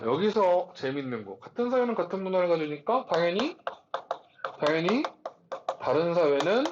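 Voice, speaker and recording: A man's voice: a little high, noisy background. Guy lecturing a class, bouncy up and down voice, kinda dull lo-fi recording. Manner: animated, chatty, rhetorical questions and asides.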